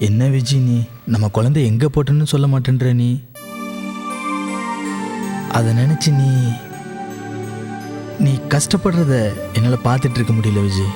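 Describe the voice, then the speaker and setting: A man's voice: medium pitch, unhurried, pauses often, over music, close to an everyday voice. An actor playing a husband who anxiously pleads with and consoles his grieving wife. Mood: anxious pleading.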